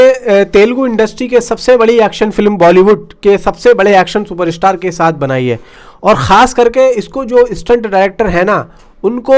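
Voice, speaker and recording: A man with a distinctly high voice presents informal film news commentary. He talks in a chatty way, addressing his viewers directly as brothers and friends. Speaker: film news YouTube host.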